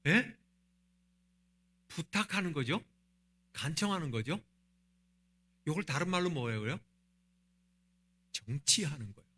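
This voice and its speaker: A man's voice: on the high side, expressive, a little slow, pauses often, pushed and bright. A man, the senior pastor, preaching a sermon and asking the congregation rhetorical questions.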